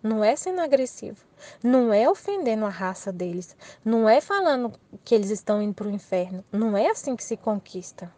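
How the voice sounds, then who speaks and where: Earnest Brazilian woman, fairly high voice. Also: very animated, a little fast, warm tone. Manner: earnest, repeats herself, informal. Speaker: Catholic channel host. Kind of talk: reading and commenting on religious text.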